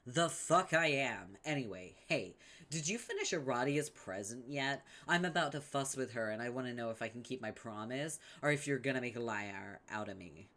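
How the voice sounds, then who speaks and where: A man's voice: mid-range voice, animated, moderate pace, sharp tone. Vriska, a man doing a smug, scheming troll girl. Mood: sarcastic. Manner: brash, sarcastic, mocking.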